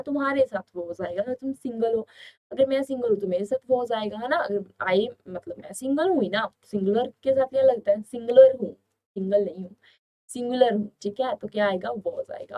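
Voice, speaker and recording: Young Indian woman teacher, higher voice, quizzes the class with questions and answers them herself. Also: darkish tone, low-quality recording. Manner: reads English sentences out slowly. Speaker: English teacher. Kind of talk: online exam-prep lesson.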